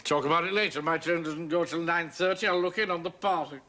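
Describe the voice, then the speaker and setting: In 1970s TV sitcom acting, an actor lightly plays a mocking, boozy black-sheep brother who works as a commercial traveller, cheeky and taunting and laughing at his own jokes. His fairly high voice has fairly even intonation and he talks fast. The background is noisy.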